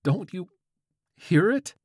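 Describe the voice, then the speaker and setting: Man playing a frantic, high-pitched fanatical young janitor. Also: very animated, slow pace, breathy edge, dry recording, clean studio sound, exaggerated voice. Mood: manic. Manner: frantic, high-strung, declamatory. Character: unhinged young male janitor, fanatical self-appointed holy crusader.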